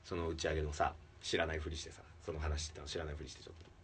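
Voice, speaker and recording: A man who hosts a comedy podcast tells a story in casual chat. He acts out the quotes and swings from loud outbursts to hushed asides. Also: extremely low pitch, flat delivery, very fast, distant mic, slight background noise.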